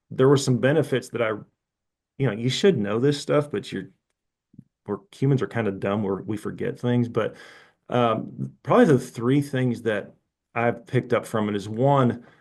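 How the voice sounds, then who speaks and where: A man's voice: mid-range voice, creaky, a little mellow. A man in his fifties talking frankly and casually as a podcast guest, rambling with restarts and asides. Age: 50s. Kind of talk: casual interview talk.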